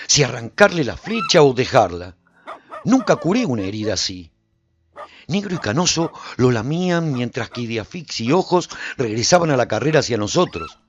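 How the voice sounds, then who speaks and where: Male narrator, radio serial, dramatic scripted storytelling, intense delivery, medium pitch, very animated intonation. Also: a little hiss or hum.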